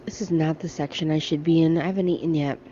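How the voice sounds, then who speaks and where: A woman's voice: deep voice, fairly even intonation, quick pace, warm tone, dull audio, slight background noise. A middle-aged American woman vlogging casually as she shops in a large discount store, chatting and thinking aloud about products into a handheld phone. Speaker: shopping vlogger. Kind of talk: casual shop-with-me vlog. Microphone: handheld phone camera.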